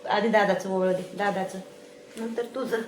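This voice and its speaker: A mother talking casually with her family at home, brisk and kindly scolding. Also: mid-range voice, fairly even intonation. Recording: echoey room with noise.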